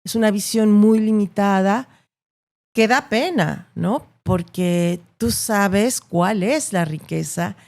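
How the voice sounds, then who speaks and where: With a slow pace and a mid-range voice that is gravelly and a little mellow, a Latin American Spanish-accented journalist explains her opinions as an interview guest. Her delivery is emphatic and articulate, and she uses repetition and rhetorical tags.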